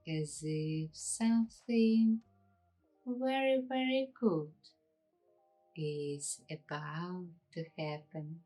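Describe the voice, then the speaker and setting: A woman guiding an ASMR meditation in a hushed, unhurried way, leaving long pauses between short phrases. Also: sits low, animated, faint music behind, rough recording. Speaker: ASMR host and meditation guide. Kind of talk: slow ASMR guided meditation.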